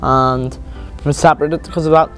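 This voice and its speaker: Halting young man with a Belfast accent. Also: a little high, steady tone, a bit bright, faint music behind. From Northern Ireland. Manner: hesitant, halting with fillers. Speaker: visiting student interviewee. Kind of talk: interview answers.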